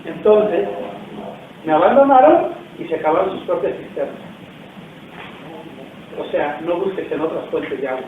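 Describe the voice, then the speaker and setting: A man's voice: on the high side, animated, moderate pace, long pauses. A man preaching a sermon as pastor, talking casually and asking the congregation questions. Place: church hall. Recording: distant, echoey, tinny, faint noise.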